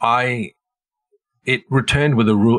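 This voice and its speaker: A medium-pitched man with an Australian accent and ordinary pitch variation. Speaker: stroke survivor and musician. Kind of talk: interview. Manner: halting, with repeated words.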